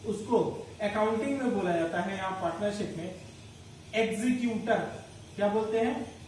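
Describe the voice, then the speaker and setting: This accounting lecture comes from a commerce teacher whose voice is high, a little mellow, and moderately paced. He explains each step carefully and calls his students "beta," heard through a distant mic in a very echoey room with faint noise.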